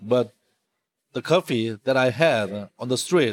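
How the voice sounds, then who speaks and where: A man speaks with a Korean accent at medium pitch. The sound is dry and close, with no echo. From South Korea. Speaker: bag factory worker. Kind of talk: casual chat. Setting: restaurant.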